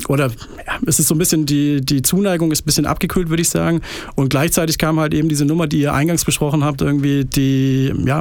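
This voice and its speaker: A man's voice: fairly high pitch, gravelly, darkish tone, no room sound. A man from Baden, a podcast guest in a studio, telling a rambling, self-mocking story full of fillers. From Baden, Germany. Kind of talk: casual storytelling chat.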